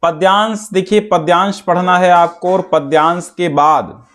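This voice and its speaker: A male teacher giving an exam-prep lesson, reciting verses slowly and then explaining them line by line while checking in with his students. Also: sits high, fairly even intonation, a bit bright. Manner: often checks in with students, repeating phrases.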